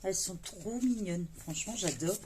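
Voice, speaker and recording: A woman's voice: fairly low pitch, moderate pace, warm tone, slight background noise. A woman chatting casually as she unboxes a parcel of coloring books, full of fillers and delighted little exclamations. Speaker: coloring book haul vlogger.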